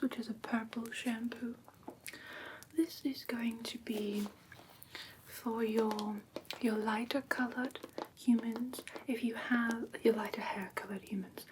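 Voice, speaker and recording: A woman plays a soothing female vampire who teaches human pet care in an ASMR roleplay. She whispers breathily and patiently, with gentle check-ins, over clear background hiss. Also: fairly high pitch.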